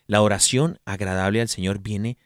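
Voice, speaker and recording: A man's voice: on the low side, steady tone, normal speed, no room sound, studio quality. A man co-hosting a casual faith talk, speaking in an earnest, thoughtful way and adding short affirmations. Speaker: Christian talk co-host.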